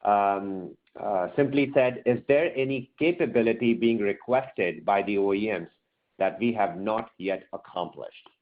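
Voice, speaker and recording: Male moderator reading out investor questions, slightly low voice, narrow phone-quality sound. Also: a little slow. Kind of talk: reading questions aloud on an investor conference call. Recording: thin, phone-like conference line.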